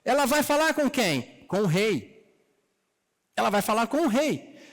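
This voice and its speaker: A Brazilian man preaches in a church hall, his voice pitched notably high. He tells a scripture story in an easy, conversational way and slips into the characters' lines. The sound rings with a long hall echo. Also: big pitch swings, a little slow. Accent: Brazilian Portuguese. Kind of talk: sermon retelling a Bible story.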